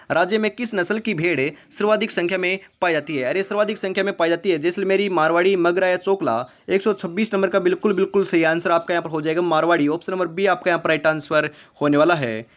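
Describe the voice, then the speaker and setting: A man teaches an online quiz class with a high, quick delivery. He reads out each question, runs through the options and then hammers home the answer and the option number. He calls his viewers brother and friends as he talks. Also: steady tone. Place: rooftop, outdoors in early morning. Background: animal and bird sounds.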